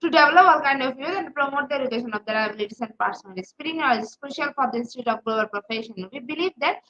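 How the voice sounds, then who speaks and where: A woman's voice: high voice, animated, rapid-fire, sharp tone. A woman with a Bangladeshi accent hosting a webinar, reading a scripted introduction in a formal, recited way with small stumbles. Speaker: webinar host. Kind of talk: scripted introduction read aloud. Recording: dull, lo-fi online webinar audio.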